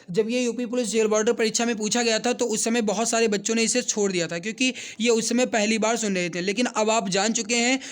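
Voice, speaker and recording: A man teaching an online exam coaching lesson, walking through questions, repeating answers for emphasis and addressing viewers directly. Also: high-pitched.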